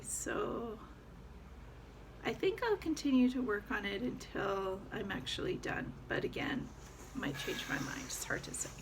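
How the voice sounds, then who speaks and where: A woman's voice: on the high side, a little hiss or hum. A woman chatting casually about her cross-stitch projects, rambling with fillers as she shows her work. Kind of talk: casual show-and-tell chat.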